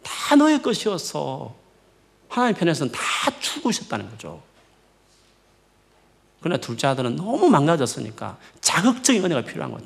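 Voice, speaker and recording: A man preaching a midweek sermon in a conversational, coaxing way, with many rhetorical questions and sharp swings in emphasis. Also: fairly high pitch, vocal fry. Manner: lively, rising and falling emphatic preaching. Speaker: pastor.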